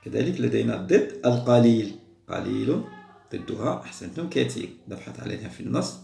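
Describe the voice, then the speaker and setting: A man teaching a primary school Arabic lesson, patiently repeating words slowly for young pupils. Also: medium pitch, lively intonation, vocal fry, mellow, reverberant, soft background music. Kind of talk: explaining a second-grade Arabic test.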